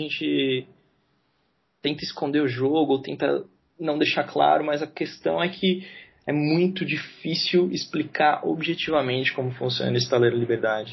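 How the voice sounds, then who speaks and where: Somewhat breathy and fairly high in pitch, a man talks at a moderate pace. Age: 20s. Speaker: entrepreneur, co-founder of a community for entrepreneurs. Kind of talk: interview.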